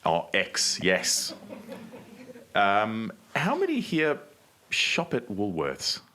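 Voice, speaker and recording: A man's voice: on the low side, huge pitch swings, very slow, bright, forceful tone, slight background noise. A man co-hosting a live podcast on stage, speaking like a polished presenter who asks the audience questions. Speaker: podcast co-host. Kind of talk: live podcast panel talk.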